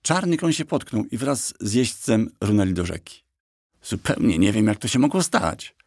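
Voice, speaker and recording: A man lends his voice to a small black talking horse, boastful and mischievous, telling his tale with a sly, mocking edge. The voice sits low with a husky grain. It sounds close and dry, as in an audiobook. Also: big pitch swings, moderate pace, darkish tone, no echo, heavily acted. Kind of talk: audiobook character voice.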